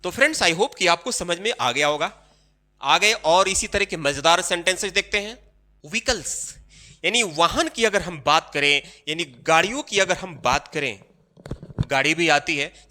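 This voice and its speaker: A man giving an English grammar lesson in Hindi, explaining point by point and often stopping to ask if it is clear. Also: fairly high pitch, sharp tone. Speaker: English teacher.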